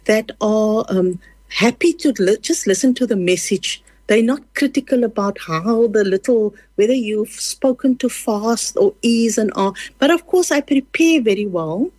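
A woman's voice: a little high, a little mellow, no echo. A woman whose first language is Afrikaans, speaking with a South African Afrikaans accent, talking earnestly as a writer in an interview, with many fillers and restarts. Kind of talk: casual conversational interview.

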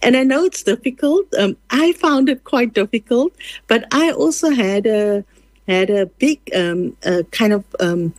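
A woman's voice: a little high, expressive, unhurried, darkish tone, no room sound. Earnest South African woman, Afrikaans accent. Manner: earnest, rambling with many fillers and restarts. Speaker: writer, interview guest. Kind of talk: casual conversational interview.

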